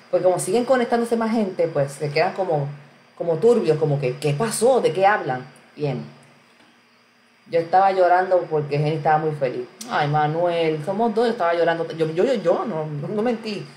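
A chatty woman hosts a casual live stream, greeting viewers one by one and answering their comments. Her voice sits a little low. The room gives it a roomy echo with faint noise behind. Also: a little mellow.

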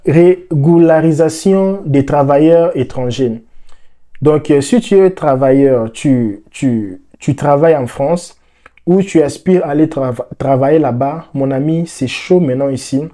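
A young Congolese man explaining the news to the camera, with lots of repeated words and fillers, on a lapel mic in a dark room. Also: fairly high pitch. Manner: animated, repeats words, many "euh" fillers. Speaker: vlogger.

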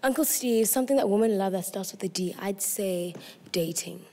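A woman's voice: medium pitch, normal speed, dark tone. A twenty-one-year-old woman, a university student on a game show, answering the host in a friendly way. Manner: friendly, addresses the host fondly. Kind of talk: answering host's questions. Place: TV studio game show set. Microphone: podium mic.

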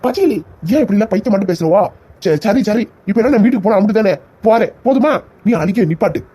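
A man's voice: sits high, expressive, fast talker, warm tone, breathy edge. A man voicing a harried young man in a cartoon, stammering and muttering complaints to himself. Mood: grumbling. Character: flustered young man, harried son caught between mother and fiancée. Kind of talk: cartoon comedy voice acting.

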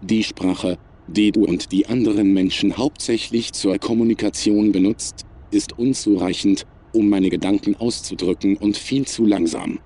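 Man voicing a deep, cold, menacing computer intelligence. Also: steady tone, moderate pace, mellow, lightly acted. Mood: analytical, detached. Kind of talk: science fiction audio drama acting.

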